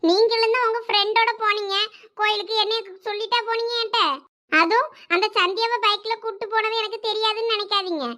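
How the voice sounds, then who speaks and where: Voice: very high voice, steady tone, quick pace, sharp tone. A woman playing a sulky, tattling first-year college girl in a village comedy skit, with a Thoothukudi Tamil accent. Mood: accusing.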